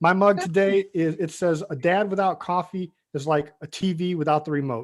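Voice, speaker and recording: A high-pitched man with an American accent and fairly even intonation, in a very clean recording with a silent background. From Detroit, Michigan. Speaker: author and family researcher. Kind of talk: interview.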